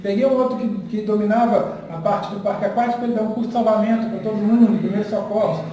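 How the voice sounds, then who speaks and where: A man's voice: high-pitched, fairly even intonation, fast talker, warm tone. A man talking as a guest teacher in a casual conversation, earnest and encouraging. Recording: echoey room, distant mic, faint noise.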